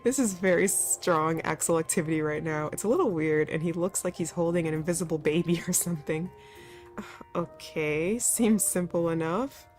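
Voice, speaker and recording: A young woman gives casual, chatty let's-play commentary with amused asides. Her voice sits a bit low for a woman. Faint game music plays under her talk. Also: moderate pace, a little mellow.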